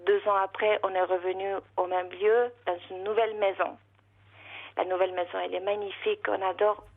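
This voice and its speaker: A middle-aged woman, not a native French speaker, calling in to a radio show and talking haltingly, repeating words and searching for them. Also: mid-range voice, little pitch movement. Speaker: caller. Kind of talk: emotional call-in confession. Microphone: telephone. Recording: phone line.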